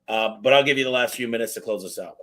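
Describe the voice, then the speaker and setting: A man in his late thirties hosting a casual podcast interview, talking in an energetic, rambling, self-deprecating way with casual slang. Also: medium pitch, fast. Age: 30s. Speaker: podcast host.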